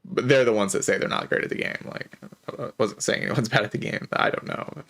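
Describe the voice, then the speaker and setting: A man livestreaming a game and chatting casually, with heavy vocal fry, a low-energy hesitant delivery and a voice strained by a lingering cough. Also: brisk, sharp tone. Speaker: game streamer. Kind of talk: casual livestream chat while playing a game.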